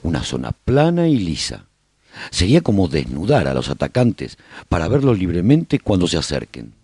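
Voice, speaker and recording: A man playing a survivor who recounts life in a post-apocalyptic colony, narrating a radio serial in an expressive, husky storytelling voice. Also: low voice, normal speed, no echo, clean studio sound, exaggerated voice. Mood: reflective, wry. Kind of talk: scripted first-person radio drama narration.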